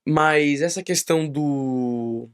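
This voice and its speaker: A man's voice: on the high side, slow, clean tone, dry recording, studio quality. Man hosting an encouraging podcast chat. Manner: encouraging, finishes the guest's sentences. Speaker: podcast host. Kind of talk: casual interview chat.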